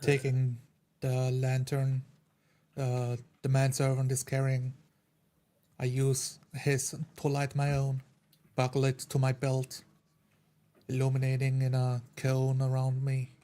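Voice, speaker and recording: A man's voice: medium pitch, monotone, slow, mellow. A man playing a tabletop roleplaying game, describing what his character does.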